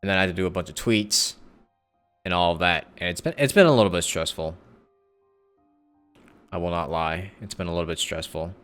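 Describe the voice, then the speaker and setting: Low-pitched and brisk, this man's voice is a bit bright, clear and resonant, and he pauses often. As a live streamer and content creator, he chats casually with viewers, rambling and self-correcting while thinking aloud, with music in the background.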